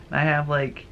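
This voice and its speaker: Young man vlogger, stuffy cold, sarcastic rambling, slightly muffled recording. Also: on the high side. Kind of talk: talking to camera. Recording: slightly muffled, faint noise behind.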